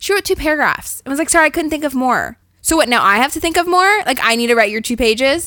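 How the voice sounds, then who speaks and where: On a very clean recording with a silent background, a woman speaks at a very fast pace in a raised, projected voice. Her pitch is high and her intonation lively. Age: 20s. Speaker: podcast host. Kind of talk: casual chat. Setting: studio.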